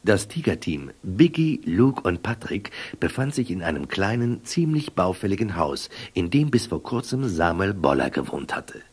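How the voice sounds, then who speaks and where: An actor narrating a children's adventure audio drama as storyteller, with a husky voice. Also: male voice, sits low, very animated, normal speed, hardly any pauses, full character voice.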